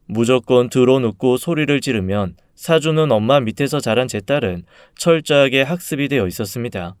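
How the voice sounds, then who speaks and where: Guy reading a story in first person, calm and low-key, smooth clear voice, dry close mic. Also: dry recording. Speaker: story reader.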